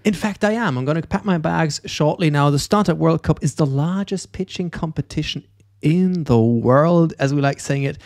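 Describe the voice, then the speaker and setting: A man's voice: fairly high pitch, moderate pace, a little mellow, no echo, clean studio sound. A middle-aged man co-hosting a morning show, chatting casually and upbeat while recommending events. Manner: upbeat, promotional. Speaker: co-host and moderator.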